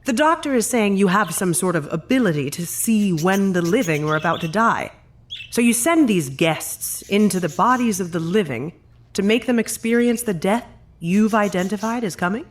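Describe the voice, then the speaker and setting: A woman playing a diplomatic, authoritative senior official in an audio drama, speaking formally, deliberately and tactfully. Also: mid-range voice, animated, close to an everyday voice. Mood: probing.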